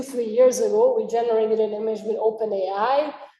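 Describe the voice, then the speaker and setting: A dark, mellow tone in a Hungarian accent, with monotone, flat intonation at a fairly slow pace. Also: woman. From Hungary. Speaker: computer science researcher. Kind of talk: seminar talk. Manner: halting, many fillers.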